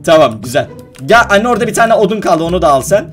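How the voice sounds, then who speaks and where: An excitable young man gives a casual gaming vlog, his voice sitting high and swinging widely up and down. He laughs often and coaches patiently. Faint music plays under him. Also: fast talker. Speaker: gaming YouTuber.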